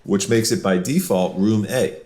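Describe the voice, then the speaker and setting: An actor playing an easygoing, wisecracking police officer who keeps the peace, in an audio drama with colloquial, teasing dialogue. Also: male voice, fairly low pitch, a little slow, warm tone, close to an everyday voice. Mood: wry. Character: easygoing male cop, wisecracking peacemaker among colleagues.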